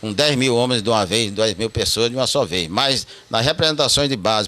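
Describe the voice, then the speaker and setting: Bright and sharp in tone, this voice carries a northeastern Brazilian accent and ordinary pitch variation. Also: man. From Rio Grande do Norte, Brazil. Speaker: former union leader and state deputy. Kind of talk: interview answer.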